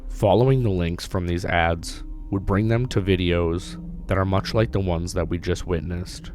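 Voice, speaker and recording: A man with a hoarse voice, recovering from illness, narrating a casual, blunt video commentary. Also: deep voice, steady tone, normal speed, a little mellow. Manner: casual, blunt, mildly profane. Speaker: YouTube commentator. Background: background music.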